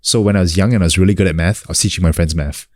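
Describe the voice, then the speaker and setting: A man in his thirties from New Zealand, a guest in a relaxed interview, talking loosely with many fillers and restarts. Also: deep voice, racing, no echo, clean studio sound. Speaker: guest, actor and coach. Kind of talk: casual sit-down interview.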